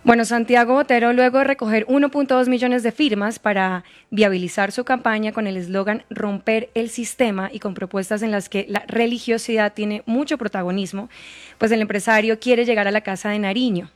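Female reporter, steady scripted profile read. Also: a little high, a little fast. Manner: reads steadily, with some fillers. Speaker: news reporter.

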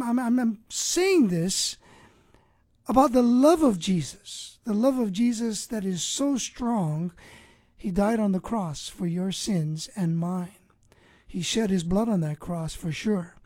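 A man's voice: high voice, darkish tone, dry recording. A man hosting a Christian radio ministry show, speaking earnestly and preachily, sometimes restarting his words.

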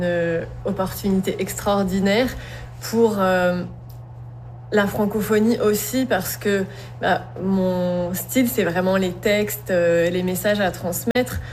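A woman, a slam poet and singer, answering interview questions in an earnest, thoughtful way with many pauses. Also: medium pitch, fairly even intonation, a little mellow, slight background noise.

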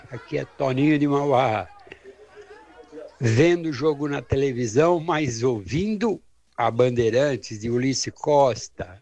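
A Brazilian man sends a voice message to a radio station. His voice is gravelly, with a lot of fry. He speaks slowly and plainly. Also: mid-range voice, darkish tone, no room sound. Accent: Brazilian Portuguese. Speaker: listener sending a voice message.

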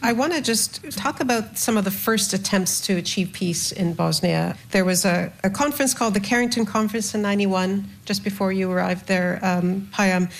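A woman hosts an interview, and her voice has a gravelly texture at a middle pitch. She asks her guests searching questions gently, sometimes restarting as she goes. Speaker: interview host. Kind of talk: moderating an interview.

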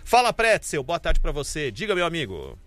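A man's voice: fairly high pitch, wildly swooping pitch, normal speed, fairly bright tone, soft background music. Chatty male radio sports host. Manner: chatty, conversational, calls on reporters by name. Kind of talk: live radio talk.

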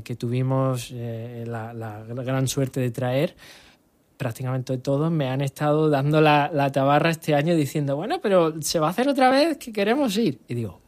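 A man's voice: medium pitch, darkish tone. A man from Almería, a festival director, answering a radio host's questions with many restarts. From Almería, Spain. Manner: hesitant, many restarts, chatty. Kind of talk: radio interview.

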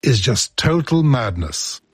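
A man's voice: mid-range voice, very animated, slow, slightly rough, dry recording, studio quality. A man reading a translated voice-over in an emphatic, indignant way.

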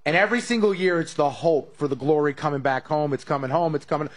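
Sports show host guy, bit husky, slightly higher voice, jokey and chatty. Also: quick pace. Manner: joking, conversational, leads the questions. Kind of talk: sports talk show hosting.

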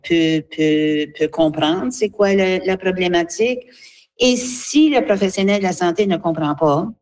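A woman, a guest speaking earnestly for a seniors' association, pausing often with fillers. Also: low-pitched, a little mellow. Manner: earnest, halting, with many fillers. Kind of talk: radio interview, advocacy.

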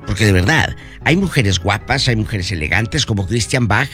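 A man's voice: fairly low pitch, animated, normal speed, a bit bright, soft background music. A man hosting a radio show, gossiping about celebrities in a campy, chatty and theatrical way. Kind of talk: gossip chat.

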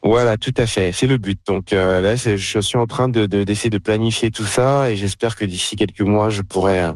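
A man's voice: fairly low pitch, steady tone, moderate pace, no room sound, clean studio sound. A young man from France, a guest in a casual interview, talking hesitantly with many fillers and restarts. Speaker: interview guest, pastry caterer.

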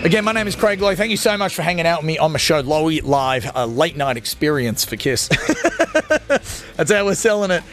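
Ranting young Australian radio host. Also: male voice, a little high, sing-song, moderate pace, fairly bright tone, faint music behind. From Australia (Gold Coast, Queensland). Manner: ranting, crude, comic. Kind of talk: energetic talk radio monologue. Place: radio studio.

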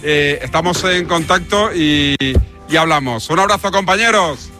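A man's voice: a little high, normal speed, over music. A man with an accent from Spain, hosting a casual live radio chat. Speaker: radio show host.

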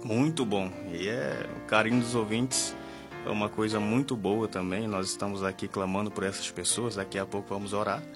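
A man's voice: lowish voice, steady tone, moderate pace. A Brazilian man co-hosting a live religious radio call-in, courteous and devout in the way he talks. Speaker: radio prayer show co-host. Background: music bed.

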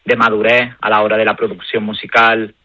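A man, a band member calmly explaining his views in a radio interview. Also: fairly low pitch, brisk, no room sound. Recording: dull lo-fi radio sound.

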